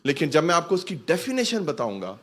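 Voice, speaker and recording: A man's voice: on the high side, wildly swooping pitch, fairly bright tone. A man preaching as a pastor in a fervent sermon, often calling out hallelujah and mixing in English words. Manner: fervent, calls out hallelujah and asks the church to repeat.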